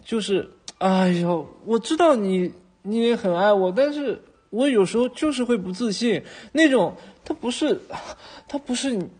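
A man's voice: high voice, animated, normal speed, a little mellow, breathy edge. A man playing a remorseful young boyfriend who soothes his crying girlfriend, stammering and apologizing again and again in a boyfriend roleplay audio drama. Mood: tender, soft.

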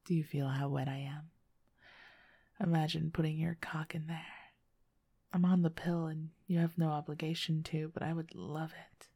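A young woman in an intimate audio roleplay, talking softly and coaxingly and often whispering close to the microphone. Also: sits low, little pitch movement, moderate pace, husky, no room sound.

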